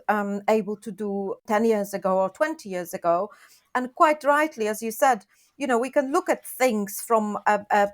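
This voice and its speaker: A woman with a Polish accent, a guest on a podcast, talking earnestly and upbeat with many fillers. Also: mid-range voice. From Poland. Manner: earnest, upbeat, lots of "you know" and "um". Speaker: guest, gardening author. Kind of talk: podcast interview.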